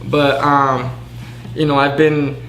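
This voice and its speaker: A man's voice: mid-range voice, slow pace, echoey room, background noise. A man in his twenties from Southern California, a pro boxer talking casually as a guest with lots of fillers. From Southern California, USA. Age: 20s. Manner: relaxed, fillers, flat delivery. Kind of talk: casual interview.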